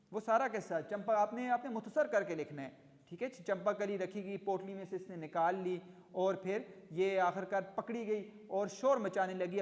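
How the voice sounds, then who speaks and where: A man's voice: high-pitched, a little mellow. A male teacher reading a story aloud and explaining it line by line, glossing hard words as he goes. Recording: long reverb in an echoey room.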